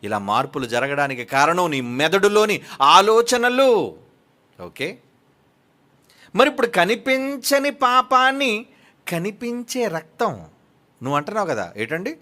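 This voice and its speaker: A pastor with a Telugu accent delivers an emphatic sermon in a high, bright voice. He asks his listeners questions and answers them himself, his pitch rising and falling widely as he drives each point home. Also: lively intonation, measured pace, long pauses.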